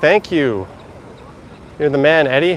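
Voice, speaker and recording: With a Canadian accent, a man speaks at a fairly high pitch with lively intonation. Noticeable background noise runs underneath. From Ontario, Canada. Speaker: walking tour live streamer. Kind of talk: live stream chat while walking. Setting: outdoors, walking downtown city.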